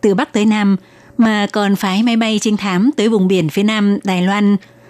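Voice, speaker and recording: Here is a woman with an unremarkable speaking voice at a medium pitch. She goes at a fairly slow pace with ordinary pitch variation. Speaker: radio presenter. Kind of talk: news reading. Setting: studio.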